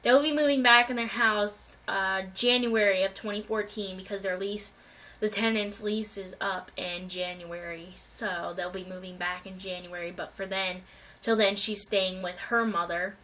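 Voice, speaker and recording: Young woman vlogger, bright voice, recovering from a cold, chatty and meandering. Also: medium pitch, fairly even intonation, normal speed, rough recording. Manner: rambling, many ums and restarts. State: getting over a cold, coughing. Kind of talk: casual life update to viewers.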